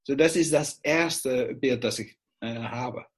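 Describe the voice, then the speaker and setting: Halting Dutch-accented man, breathy. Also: medium pitch. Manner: halting German mixed with English, searching for words. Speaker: guest. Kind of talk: casual conversation.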